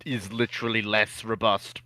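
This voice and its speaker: Forceful, wry man in a dry space. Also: fairly low pitch, level tone, moderate pace, no echo. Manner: emphatic, wry, sarcastic. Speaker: livestream panellist. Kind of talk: casual opinionated chat.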